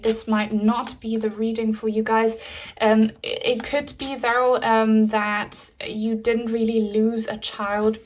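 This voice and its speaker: A woman whose first language is German, giving a casual pick-a-card tarot reading to her viewers with lots of fillers and asides. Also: fairly high pitch. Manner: chatty, many fillers, addresses viewers as guys. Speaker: tarot reader.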